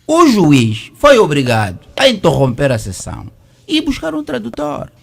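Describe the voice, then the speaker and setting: A man's voice: on the high side, wildly swooping pitch, moderate pace, creaky. A middle-aged man from Malanje with an Angolan Portuguese accent, a lawyer on a debate panel who argues persistently and keeps talking through interruptions. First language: Kimbundu.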